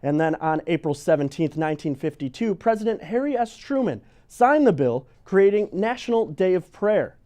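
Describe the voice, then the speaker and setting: Male local newsreader, high pitch, mellow tone, reading scripted items. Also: big pitch swings, normal speed, few pauses. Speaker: local news presenter. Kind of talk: scripted news narration.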